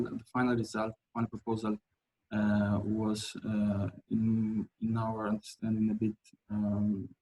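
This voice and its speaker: A man's voice: mid-range voice, mellow, a little hiss or hum, rough recording. Hesitant man presenting architecture projects. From Albania. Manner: hesitant, many fillers and restarts. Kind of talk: webinar presentation.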